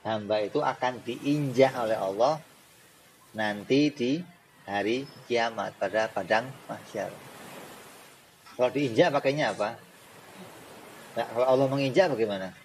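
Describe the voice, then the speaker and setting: Casting: male Islamic theology teacher, animated and joking, mid-pitched, faint room ambience. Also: slight background noise, poor audio. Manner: animated, rhetorical questions, joking asides. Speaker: religious teacher.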